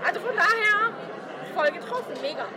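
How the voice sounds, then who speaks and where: A woman from a theatre audience, talking in a casual, lively, slangy way. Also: very high-pitched, a little fast. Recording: crowd chatter behind.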